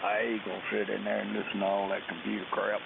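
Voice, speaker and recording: A man's voice: on the low side, completely flat delivery, quick pace, creaky. A man chatting casually as an amateur operator over a ham radio transmission. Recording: narrow, hissy, noisy radio link.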